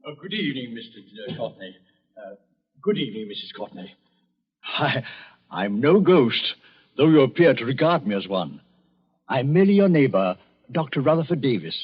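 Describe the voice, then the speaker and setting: An actor playing a grave, formal English doctor in an old-time radio drama, speaking in a hesitant, courteous, halting way. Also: male voice, mid-range voice, sing-song, slightly rough. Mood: hesitant, apologetic. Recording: dull, muffled old radio recording.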